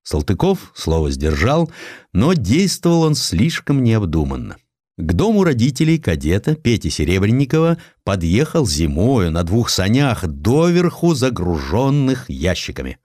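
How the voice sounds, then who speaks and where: Low-voiced man narrating with lively swings. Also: normal speed, dry recording, studio quality. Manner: expressive storytelling, acting out quoted lines. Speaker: audiobook narrator. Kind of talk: scripted narration of historical prose, dramatized reading.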